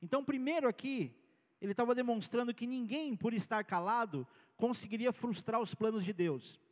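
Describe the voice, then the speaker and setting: A man's voice: very high voice, normal speed, long reverb tail. A man preaching a sermon as pastor, in a conversational style with personal stories.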